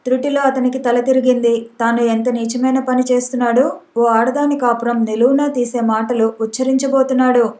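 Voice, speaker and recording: Woman reading a novel in a flat voice. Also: high voice. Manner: steady, even reading. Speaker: audiobook narrator. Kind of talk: scripted narration of a novel. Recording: roomy echo.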